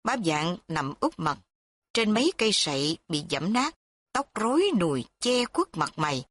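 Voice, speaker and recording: A woman narrating a story with a steady, even reading. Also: on the low side, moderate pace.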